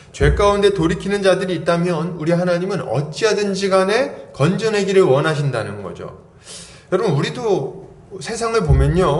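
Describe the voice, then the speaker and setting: A pastor in his forties preaching a sermon, asking his congregation lively rhetorical questions. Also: high-pitched. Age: 40s. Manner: animated, asks the congregation many rhetorical questions. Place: church sanctuary. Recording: roomy church echo, faint background hum.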